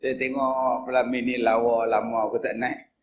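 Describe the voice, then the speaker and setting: A man with a northern Malay dialect giving a humorous religious lecture as a preacher, telling stories with sudden loud high bursts. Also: little pitch movement, normal speed, muffled recording, slight background noise.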